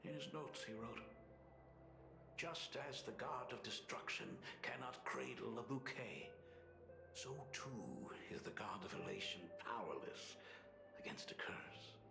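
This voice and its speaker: Solemn, gravelly game father. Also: mid-range voice, lively intonation. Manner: measured, grave, softly spoken. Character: solemn, tender middle-aged father, artist and academy dean. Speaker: video game character. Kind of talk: dramatic game voice acting. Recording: slightly reverberant, music underneath. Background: background music.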